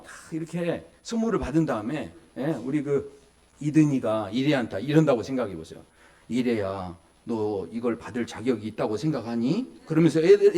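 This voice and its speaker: A man in his forties preaching a sermon as pastor, telling stories, acting out small voices and asking the congregation questions. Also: a little high. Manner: lively storytelling, acts out children and adults in little voices.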